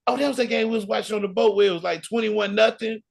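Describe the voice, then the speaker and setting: A man with a fairly high speaking voice co-hosts a podcast, ribbing his guests with playful trash talk. He keeps the chat loose and casual, pressing his jokes with a grin in his voice. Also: steady tone, quick pace, gravelly. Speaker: podcast co-host.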